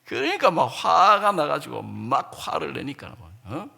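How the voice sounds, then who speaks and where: A man's voice: medium pitch, sing-song, measured pace, creaky, bright, forceful tone. A middle-aged man preaching a sermon as a pastor, telling stories animatedly and acting out quarrels. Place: large church or camp hall. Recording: reverberant hall.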